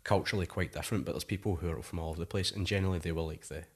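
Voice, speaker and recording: Very deep-voiced Scottish man. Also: fairly even intonation, very fast, husky. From Scotland. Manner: rambling, many "like" fillers. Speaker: musician guest. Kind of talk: casual interview chat.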